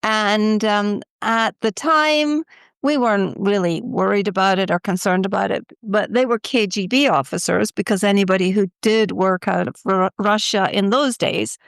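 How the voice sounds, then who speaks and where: A woman in her seventies from Scotland, with a light Scottish accent softened toward mid-Atlantic, telling her life story as a podcast guest in a measured, wry way. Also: mid-range voice, vocal fry, no echo, studio quality. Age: 70s. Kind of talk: conversational interview storytelling.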